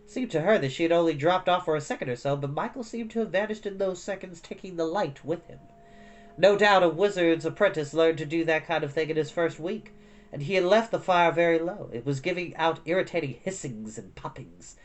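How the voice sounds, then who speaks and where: A man reading a storybook aloud as an expressive narrator. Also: fairly high pitch, fairly quick. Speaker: storytime reader.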